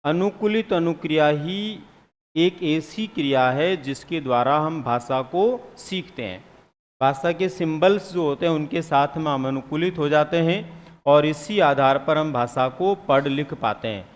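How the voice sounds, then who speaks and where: A man's voice: a little high, measured pace, big-room sound. A man teaching psychology in a live classroom lecture, questioning students and answering his own questions, sometimes teasing them.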